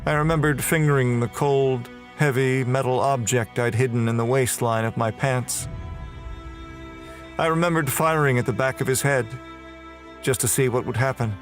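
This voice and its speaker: An actor playing a tormented, damned murderer, delivering a brooding first-person horror audio drama monologue. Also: male voice, mid-range voice, fairly even intonation, moderate pace, close to an everyday voice. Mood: cold, brooding. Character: damned male murderer prisoner, tormented, confessing in hell. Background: music.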